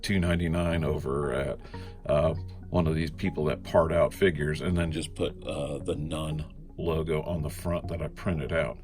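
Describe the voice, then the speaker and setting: A man reviewing a collectible figure in a laid-back, rambling way, sounding congested from a cold. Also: low voice. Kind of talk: casual unboxing review.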